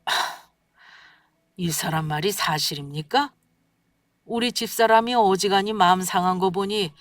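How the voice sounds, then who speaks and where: A woman voicing a dignified middle-aged father, a company president, speaking in a measured, coldly polite way. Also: mid-range voice, no echo, distant mic, natural voice.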